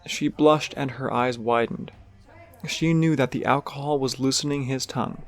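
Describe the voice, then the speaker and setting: A man's voice: mid-range voice, steady tone, moderate pace, soft background music. A man giving scripted third-person narration for an audio drama.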